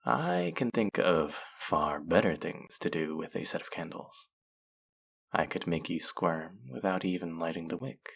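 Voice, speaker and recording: A man's voice: low voice, lively intonation, measured pace, gravelly, a bit bright, breathy edge, heavily acted. A man playing a teasing, sardonic, flirtatious male faerie in a scripted audio roleplay. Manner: sardonic, teasing, drawling with sighs.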